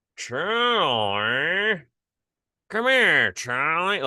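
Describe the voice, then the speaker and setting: A man puts on a whiny, high character voice with a whiny tone and very wide pitch swings. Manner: annoying, whiny.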